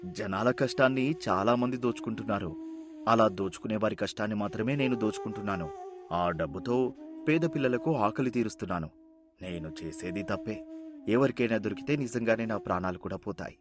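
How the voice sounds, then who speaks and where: A man's voice: fairly low pitch, brisk, music in the background, close to an everyday voice. A man voicing a kindhearted, earnest village thief in an acted moral story. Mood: earnest confession. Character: kindhearted village thief, orphaned, plain-spoken and caring. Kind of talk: story voice acting.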